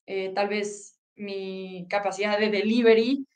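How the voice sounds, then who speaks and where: A woman's voice: medium pitch, slow. A woman with a Mexican Spanish accent, an athlete and sports commentator, telling stories in a casual interview. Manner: animated storytelling.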